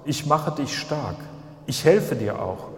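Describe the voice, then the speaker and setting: A man leading a calm, measured prayer as a pastor in a church service. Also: on the high side. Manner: calm, measured, meditative phrasing. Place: church hall. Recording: roomy hall with long reverb.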